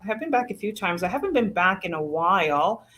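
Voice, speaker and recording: A woman's voice: medium pitch, lively intonation, fairly quick, a bit bright. A woman born in Jamaica and raised in Canada, a content creator talking casually and sassily in an interview, calling people "honey". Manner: sassy and encouraging, says "honey".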